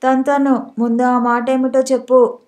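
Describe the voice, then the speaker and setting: A woman's voice: sits high, level tone, unhurried, darkish tone. Give me a woman voicing a demanding, sulking young husband in an audiobook.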